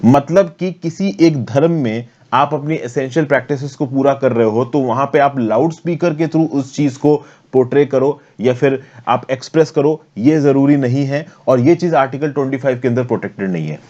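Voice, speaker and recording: A man's voice: medium pitch, moderate pace, few pauses, dark tone, lo-fi sound. An Indian man giving an explanatory current affairs lecture in a conversational, step-by-step manner, mixing in English terms. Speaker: teacher, current affairs educator.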